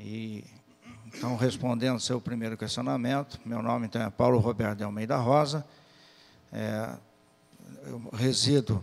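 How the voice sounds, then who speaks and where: Speaking at a fairly slow pace, a man with a medium pitch uses ordinary pitch variation and takes long, frequent pauses. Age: 60s. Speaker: municipal secretary. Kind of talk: formal testimony. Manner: formal.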